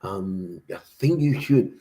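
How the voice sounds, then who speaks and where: A man's voice: sits low, lively intonation, takes it slowly, warm tone, rough recording. A man from Cuba with a Cuban Spanish accent, a native Spanish speaker, chatting animatedly and often repeating words. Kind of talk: casual chat.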